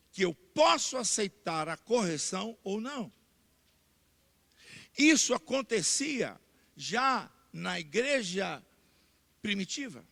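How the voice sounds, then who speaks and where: Brazilian pastor preaching, really high bright voice, says stuff twice and gets loud, big echoey church. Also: male voice, gravelly. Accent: Brazilian Portuguese. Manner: repeats key points, rising to loud emphatic declarations. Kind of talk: sermon. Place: church sanctuary. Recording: long church hall reverb.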